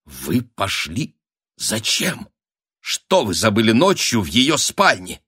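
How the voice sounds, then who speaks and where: A man voicing a sleepy, sardonic young noblewoman who answers flatly and with irritation. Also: fairly low pitch, takes it slowly, slightly rough, dry recording, clean studio sound, heavily acted. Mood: weary dry. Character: weary, dry-witted young noblewoman daughter.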